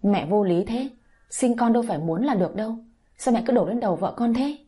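A woman reading the lines of a torn, gentle young husband in a story, softly and wearily. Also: a little high, animated, a little fast, slightly rough. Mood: pleading. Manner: soft, weary.

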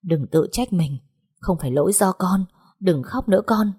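A woman voicing a gentle, worried father who soothes his grieving daughter in a storybook reading. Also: fairly low pitch, animated, normal speed, slightly rough. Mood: consoling. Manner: soothing, pleading.

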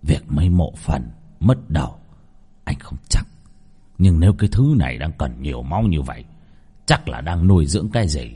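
A man voicing a blunt old male exorcist who mutters gruffly. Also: rumbling low, sing-song, normal speed, warm tone, voice pushed down, full character voice. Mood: pondering. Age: older.

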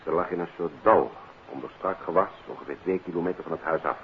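A man's voice: low-pitched, fast, natural voice. A male actor as a formal police official talks. He is sober and official, in 1950s radio drama style. It sounds like a narrow, noisy old broadcast. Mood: grave. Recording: band-limited, noisy 1950s radio recording.

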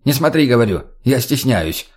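A man's voice: medium pitch, very animated, normal speed. A man voicing a crude, cheeky male junkie who provokes and teases his friends. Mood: taunting.

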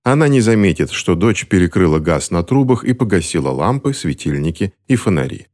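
A male audiobook narrator with a very low voice who tells the story with wide, animated swings in pitch. He reads expressively, voicing every character in the tale himself. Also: brisk.

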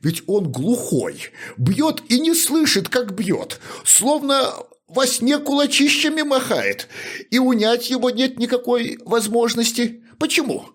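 In this storybook reading, a wordy, self-pitying shoemaker, put on by a man, complains in a high, strained, plaintive voice that climbs far above the reader's own. His lament swings widely up and down. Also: sing-song, a little slow, heavily acted. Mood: whining lament. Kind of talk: audiobook character reading.

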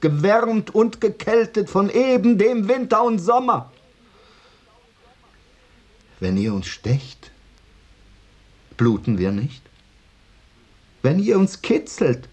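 An actor playing a Jewish vagrant and oddball who recites a declamatory, anguished monologue in a radio drama. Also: male voice, high voice, a little mellow, exaggerated voice.

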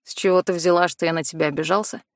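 A woman's voice: lowish voice, steady tone, racing, dry recording, studio quality, natural voice. A woman voicing a self-assured teenage schoolboy who teases and needles a girl in an audiobook. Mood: dismissive. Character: teenage schoolboy, cocky and teasing.

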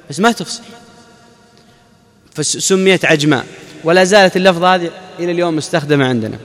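A man's voice: fairly high pitch, fairly bright tone. A man giving a Quran exegesis lesson. He explains carefully, asking questions and then answering them. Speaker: Islamic scholar. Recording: long reverb of a large hall.

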